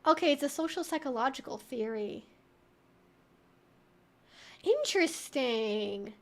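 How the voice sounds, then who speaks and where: A young adult woman with a high-pitched voice hosts a casual livestream. She answers questions in an informal, chatty way, reasoning aloud as she goes. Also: animated, takes it slowly. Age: 20s to 30s. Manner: chatty, informal, thinking out loud.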